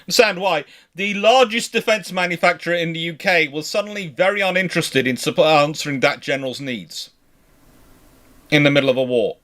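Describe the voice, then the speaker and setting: A man with a slightly high voice hosts an informal history talk. He speaks in a discursive, emphatic way, circling back to correct his own phrasing as he goes. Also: fairly quick, fairly bright tone. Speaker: naval history show host.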